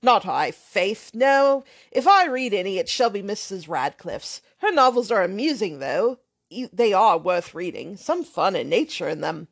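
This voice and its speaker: A woman voicing a boastful, blustering young man, loud and emphatic. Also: medium pitch, sing-song, unhurried, creaky, exaggerated voice.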